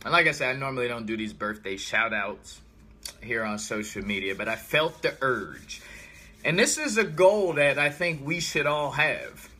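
An American man in his thirties chatting casually on a livestream, thinking out loud and telling stories with animated, emphatic repetition. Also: mid-range voice, normal speed. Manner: animated storytelling, repeats himself for emphasis. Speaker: vlogger. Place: small room indoors.

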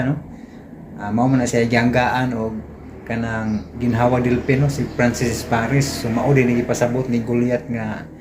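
A man's voice: mid-range voice, darkish tone, slight background noise. A man with a Cebuano accent hosting a casual vlog, chatting to listeners and often tagging his phrases with a short question. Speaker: vlog host introducing radio dramas.

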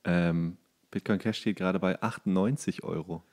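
A man's voice: low-pitched, fairly even intonation, normal speed, darkish tone. A man co-hosting a podcast in casual banter, with a colloquial, exasperated, teasing way of talking. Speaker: podcast co-host. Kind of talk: casual banter between friends.

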